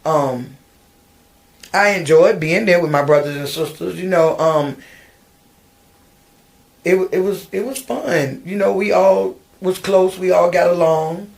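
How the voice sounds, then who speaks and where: Speaking unhurriedly in a lowish, slightly mellow voice with vocal fry and long pauses, a middle-aged Virginian woman recounts her life. She's a guest in a podcast studio, and her interview storytelling is dotted with ums and restarts.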